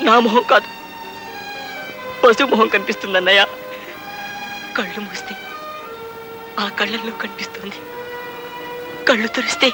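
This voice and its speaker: Lovesick weeping young man. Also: high voice. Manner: tearful, pleading. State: crying. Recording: film soundtrack under background music.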